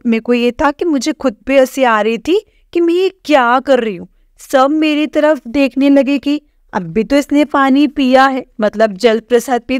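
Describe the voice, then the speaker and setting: A woman sharing a devotional testimony with a congregation, earnest and halting, with many fillers and restarts. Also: sits high, clear, resonant tone, dry recording, studio quality. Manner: earnest, keeps addressing listeners as "sangat ji".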